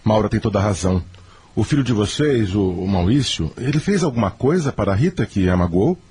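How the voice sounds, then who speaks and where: A man's voice: fairly low pitch, expressive, fairly quick, a little mellow, breathy edge. An actor playing a stubborn, hot-tempered middle-aged father in a radio soap opera, speaking vehemently and emphatically. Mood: suspicious.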